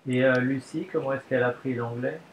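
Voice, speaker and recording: A man's voice: steady tone, fast talker. A man interviewing a mother in a casual chat, encouraging her with brief remarks. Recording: echoey room with faint rumble.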